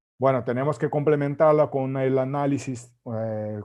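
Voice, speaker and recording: With a Brazilian accent, a man talks at a fairly slow pace in a medium pitch, his pitch varying in an ordinary way. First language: Portuguese (speaking Spanish). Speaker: academic researcher. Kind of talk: conference Q&A answer. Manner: halting, many fillers and restarts.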